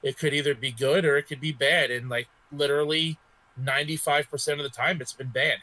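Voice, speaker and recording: A man speaking as a panel guest in a casual discussion, halting and pausing often. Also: fairly high pitch, steady tone, bright, forceful tone, rough recording. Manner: halting, hesitant delivery with many pauses.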